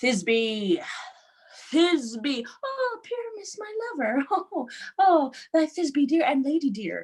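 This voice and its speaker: Using a put-on character voice, a man speaks very slowly in an extremely high falsetto, his pitch swinging very widely. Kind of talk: archaic, poetic. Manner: melodramatic, theatrical.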